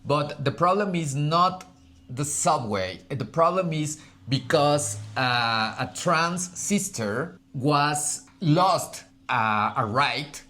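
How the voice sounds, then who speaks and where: Trans woman with an expressive deep voice. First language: Spanish. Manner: halting, many restarts, laughs often. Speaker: interview guest. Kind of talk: casual conversation.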